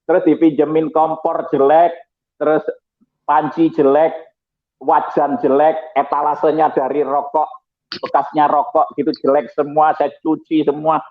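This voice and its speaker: A man tells his own story in an animated, expressive way, his voice sitting a little high. The sound is thin and tinny, like a phone line. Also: a little slow. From Malang, East Java. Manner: lively storyteller, voices people he quotes, laughs often. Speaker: guest giving a testimony. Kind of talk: animated personal testimony.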